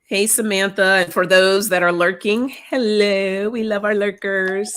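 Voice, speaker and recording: A woman with a slightly raspy voice from a recent cough, casually co-hosting a live stream and greeting viewers by name. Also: medium pitch, fairly even intonation, unhurried, a bit bright. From Canada. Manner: easygoing, laughs often, greets viewers by name. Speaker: tarot channel co-host. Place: home room, live stream. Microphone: computer mic on a live call.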